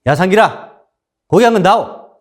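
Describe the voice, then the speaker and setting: Haughty male Joseon nobleman, barking and scolding, raised pitch, a man doing the voice. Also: lively intonation, normal speed. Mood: commanding.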